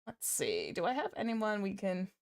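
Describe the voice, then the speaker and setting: A woman streaming casually to her viewers, chatty and repeating herself, her voice slightly hoarse. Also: mid-range voice, wildly swooping pitch, moderate pace. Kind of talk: casual livestream chat.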